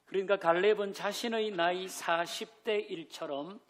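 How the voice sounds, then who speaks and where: A man's voice: high-pitched, fairly even intonation, moderate pace, fairly bright tone. A man preaching a Sunday sermon as pastor, who asks the congregation questions, leads them in reading scripture and drops in light joking asides. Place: church sanctuary.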